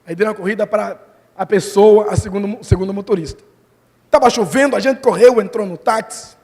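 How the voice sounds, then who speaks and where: A missionary preacher telling a personal story in a sermon, acting out the voices of the people in it. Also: male voice, high voice, brisk. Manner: animated storytelling, acts out quoted voices. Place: large church hall. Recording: long hall reverb from the church.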